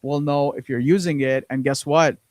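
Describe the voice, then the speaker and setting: A man's voice: a little high, steady tone, normal speed, a little mellow, no echo. A man co-hosting a business podcast in casual chat, rambling with lots of fillers and repeated words, on a close mic. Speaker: podcast co-host.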